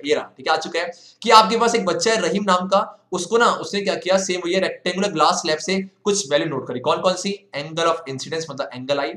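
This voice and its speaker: A young male teacher working through exam questions in a lively, coaxing way, mixing English phrases into his talk. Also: sits high. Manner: animated, coaxing, mixes English into Hindi. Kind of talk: exam solution lesson. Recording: echoey room.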